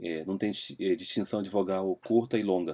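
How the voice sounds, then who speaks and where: A man with a Brazilian accent, fairly low in pitch, dark and mellow in tone, at a moderate pace with ordinary pitch variation. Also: very clean recording, silent background. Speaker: language teacher. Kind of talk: casual chat. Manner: halting.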